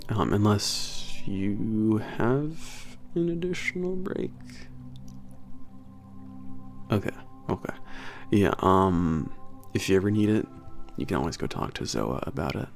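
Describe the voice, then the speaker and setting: A man playing a laid-back, slightly gruff young werewolf trainer in a casual ASMR roleplay, talking in a halting, informal mumble that trails off. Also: lowish voice, animated. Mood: casual, helpful. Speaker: workplace trainer. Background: soft background music.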